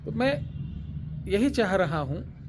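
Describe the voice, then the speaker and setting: A man giving spiritual instructions and slowly dictating a mantra, repeating phrases and pausing to clear his throat. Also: high-pitched, sing-song, noisy background. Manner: slow deliberate dictation, chanting words one by one. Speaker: tantric spiritual teacher.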